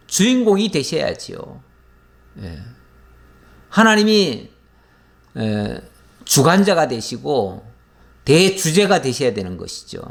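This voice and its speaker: Lively high-voiced man teaching scripture. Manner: explanatory, asks and answers his own questions. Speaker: pastor. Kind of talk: verse-by-verse Bible lecture.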